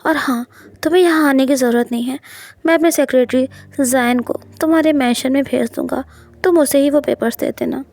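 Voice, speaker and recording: A woman's voice: high voice, brisk, a little mellow. Woman voicing a possessive, commanding young husband.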